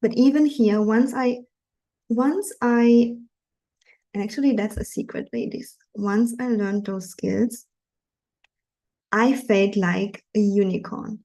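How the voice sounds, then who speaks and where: Mellow-voiced woman coaching with earnest energy. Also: mid-range voice, slow, pauses often, low-quality recording. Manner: earnest, animated, frequent fillers. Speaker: dating coach. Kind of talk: live webinar talk.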